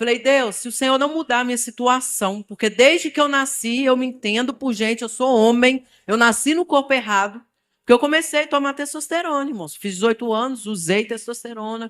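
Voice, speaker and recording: A woman speaks with a Brazilian accent. Her voice is high, with ordinary pitch variation. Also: moderate pace. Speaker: evangelical testimony speaker. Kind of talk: testimony.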